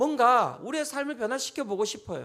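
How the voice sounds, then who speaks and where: In a very clean recording with a silent background, a man speaks with a strong Busan accent. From South Korea, Busan. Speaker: pastor. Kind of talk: sermon. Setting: church. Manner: emphatic, sounds angry to others; repetitive, animated.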